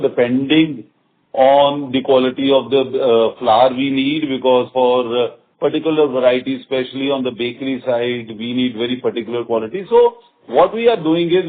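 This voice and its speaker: Indian executive on a muffled phone line. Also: male voice, medium pitch. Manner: halting, repeats phrases while thinking. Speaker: company executive on an earnings call. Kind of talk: business question-and-answer, semi-formal. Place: conference call.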